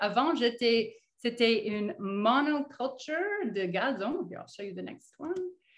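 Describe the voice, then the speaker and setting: Her intonation is lively, her pitch fairly high. The woman speaks at a very slow pace. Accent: English. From United States. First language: English (speaking French). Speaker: gardening speaker and seed seller. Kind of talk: online talk. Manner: halting, many fillers.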